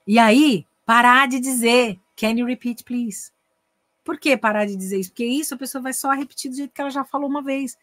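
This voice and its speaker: A woman's voice: high-pitched, fast talker, few pauses, fairly bright tone. A middle-aged woman with a Brazilian Portuguese accent, an English teacher and coach giving a casual online class. She acts out little dialogues and switches between Portuguese and English.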